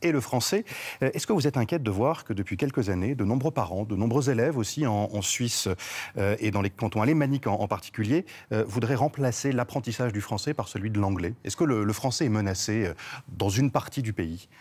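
A man's voice: fairly low pitch, brisk, a little mellow, slightly rough. A man interviewing a guest, asking long, winding questions full of fillers. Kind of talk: broadcast interview.

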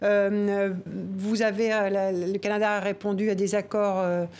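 A woman's voice: medium pitch, flat delivery, moderate pace, darkish tone, clean tone. A woman TV interviewer asking long news-interview questions full of fillers.

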